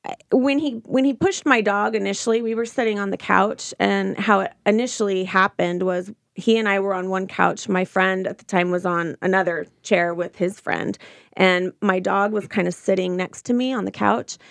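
A woman telling a personal account as an interview guest, speaking informally and haltingly, often restarting her sentences. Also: medium pitch, steady tone, gravelly, no echo, clean studio sound.

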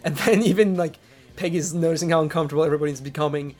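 A man's voice: a little high, rapid-fire, darkish tone. A man co-hosting a podcast in casual chat, recapping a cartoon episode, laughing often and acting out quoted lines. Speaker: podcast co-host.

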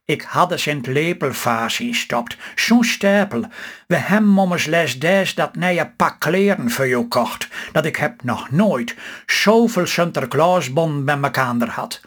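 A man's voice: fairly high pitch, animated, a little slow, a bit bright. A man with a Stellingwerfs accent voicing a talkative, hopeful older farm wife in a read-aloud story. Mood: eager. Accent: Stellingwerfs Low Saxon.

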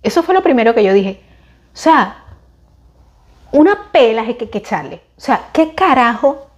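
A woman in her forties with a Venezuelan accent, talking casually to her viewers and giving opinions, chatty and expressive with frequent restarts. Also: a little high, normal speed. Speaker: vlogger recommending series and films.

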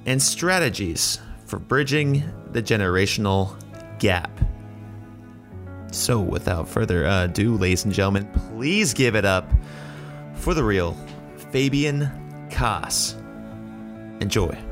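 A man hosting a podcast interview, introducing his guest with an energetic countdown and asking questions. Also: fairly low pitch, slow, pauses often, music in the background. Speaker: podcast host.

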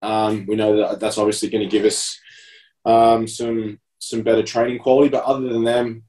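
A man's voice: lowish voice, flat delivery, moderate pace, mellow, far from the mic. A man in his thirties explaining things in a casual podcast chat, with many fillers. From Australia. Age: 30s. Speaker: podcast co-host and coach. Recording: echoey room, away from the mic.

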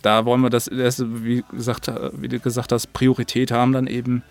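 A man's voice: mid-range voice, completely flat delivery, fairly quick, vocal fry. A man chatting casually as an interview guest, informal, slangy and a bit rambling. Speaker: interview guest, audio drama maker. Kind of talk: casual chat.

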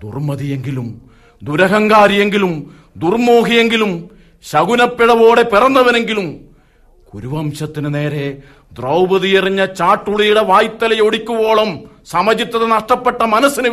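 A proud, vengeful young prince in a radio play, speaking high and declaiming with passion. He begs his mother's forgiveness even as his anger burns. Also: a little slow. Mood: impassioned. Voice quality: impassioned, declamatory. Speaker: radio drama actor. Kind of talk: 1980s Malayalam radio drama acting.

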